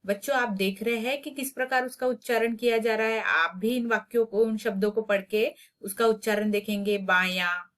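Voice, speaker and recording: A woman's voice: on the high side, fairly even intonation, fairly quick, few pauses. A woman teaching a Hindi lesson to children, stretching out and repeating each word so pupils can copy it. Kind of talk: slow classroom lesson for children.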